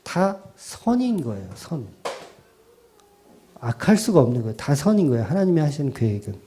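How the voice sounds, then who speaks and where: Animated high-voiced male pastor preaching. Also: normal speed. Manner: animated preaching, quoting imagined voices with sudden drops to soft asides; asks the congregation questions. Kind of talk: expository sermon.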